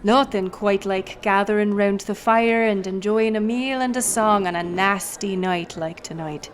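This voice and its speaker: A woman's voice: mid-range voice, unhurried, natural voice. A woman playing a bold, sly pirate captain in an audio roleplay, teasing and swaggering as she speaks to the listener. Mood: friendly, relaxed. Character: bold, sly female pirate captain, a notorious tavern storyteller.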